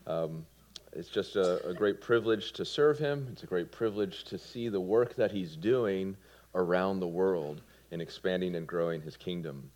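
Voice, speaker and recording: A man in his forties from Georgia with a Southern American accent, giving his personal testimony in a sermon with earnest, halting delivery. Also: low voice. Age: 40s. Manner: earnest, with fillers and soft laughs. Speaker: preacher.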